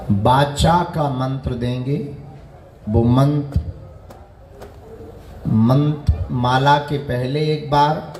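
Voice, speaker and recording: A man's voice: medium pitch, a little mellow, reverberant. A man giving a devotional sermon, instructing listeners on mantra practice and posing a chain of rhetorical questions. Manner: slow, measured, repeating rhetorical questions. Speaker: spiritual teacher.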